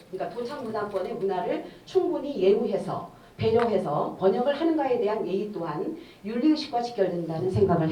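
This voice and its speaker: A middle-aged woman giving a formal academic discussion at a conference, measured and hesitant, with frequent fillers. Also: medium pitch, warm tone. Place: conference hall. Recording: echoey hall, distant muffled mic.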